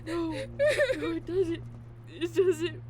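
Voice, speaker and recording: A very high, slow, tearful female reaper, acted by a woman, badly wounded yet wry and devoted. She strains and stammers through pain in audio drama style, with a busy din behind her. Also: animated, a crowd in the background, full character voice. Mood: anguished, apologetic. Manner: tearful, halting, strained speech with stammered repeats. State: crying, in pain.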